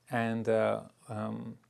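An older man giving a reflective dharma talk as a Buddhist teacher, speaking haltingly with many pauses and hesitations. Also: lowish voice, completely flat delivery, vocal fry. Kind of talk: dharma talk to a retreat group.

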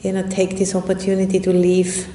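A Buddhist nun who teaches meditation leads a guided session in an indoor room at a retreat center, speaking slowly and reflectively with long pauses. Her voice is warm but monotone. The room gives a roomy echo, with a faint rumble in the background.

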